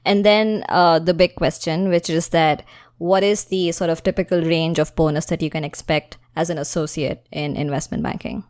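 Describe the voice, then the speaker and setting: A woman's voice: deep voice, fairly even intonation, normal speed, darkish tone. A woman hosting a podcast interview, asking questions and encouraging her guest with frequent "I see" and "hmm.".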